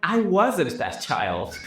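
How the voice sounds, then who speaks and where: A man from Zimbabwe, a business and leadership coach, telling his own life story in an earnest, reflective way. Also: high voice. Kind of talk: personal story told over music. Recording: roomy, somewhat distant mic with soft music. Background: soft violin music.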